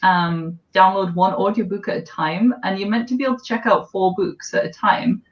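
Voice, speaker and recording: A woman's voice: medium pitch, steady tone, normal speed. A woman chatting casually with friends over a video call. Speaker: book chat participant. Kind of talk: casual chat. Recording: dull, lo-fi video call audio.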